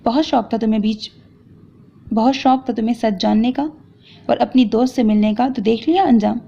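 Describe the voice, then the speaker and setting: In a romance audio novel, a woman voices an angry young man who harshly accuses and lectures his wife. Her voice is fairly high, creaky, and mellow, the mood angry and accusing. The recording is dull and lo-fi.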